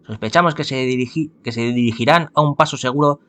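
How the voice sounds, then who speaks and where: A man's voice: mid-range voice, fast, a bit bright, lightly acted. A man voicing a dutiful samurai messenger, giving a formal report.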